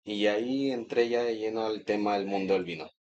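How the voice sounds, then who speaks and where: Chilean guy in his 30s, low voice, chatting in an interview, sound a bit dull. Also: brisk, darkish tone. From Chile, grew up in Santiago. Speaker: guest, sommelier. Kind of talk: casual interview conversation.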